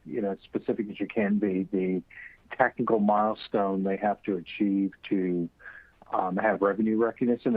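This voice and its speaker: Over a narrow, tinny phone line with a dry sound, a low-voiced man speaks as a financial analyst. He puts probing questions in a halting, unscripted way, assembling them as he goes. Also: no room sound. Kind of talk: earnings call questioning, spontaneous. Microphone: phone call.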